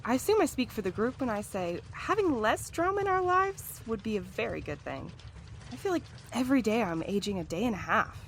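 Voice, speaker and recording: A woman's voice: a little high, sing-song, brisk, slight background noise. A woman playing a sensible, anxious peacemaker with dry humour in an audio drama. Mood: dry, concerned.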